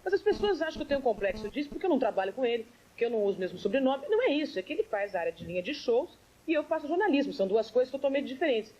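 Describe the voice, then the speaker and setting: Rapid joking woman TV reporter. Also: high-pitched, big pitch swings, darkish tone, lo-fi sound. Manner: joking, self-deprecating, rapid. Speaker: TV reporter, studio guest. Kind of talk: casual studio chat. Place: TV studio.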